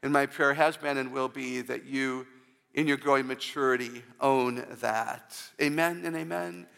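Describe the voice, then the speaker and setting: A woman with a low voice, often taken for a man's, giving an inspirational church talk full of humorous personal stories and call-outs to the audience. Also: fairly even intonation, unhurried, creaky, fairly bright tone, clear, resonant tone, in a large hall.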